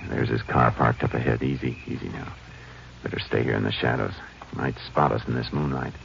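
Shrewd male lawman lead, deep bass, measured folksy delivery, dull vintage radio sound. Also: steady tone, gravelly, a bit bright, exaggerated voice. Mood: hushed, watchful. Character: steady, shrewd Texas Ranger lawman, grown man. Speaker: radio drama lead actor and narrator. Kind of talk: 1950s radio western acting and narration. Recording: muffled, noisy old radio recording.

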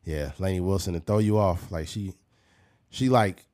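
A man's voice: sits low, moderate pace, a little mellow. A man from California hosting a podcast, joking in casual chat and laughing often. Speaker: podcast host.

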